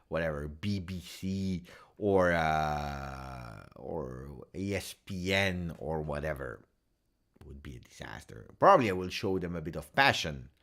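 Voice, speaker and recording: A man whose first language is French hosts a casual football recap, chatting passionately and with many fillers. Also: sits low. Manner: animated, passionate, frequent fillers. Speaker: football video host.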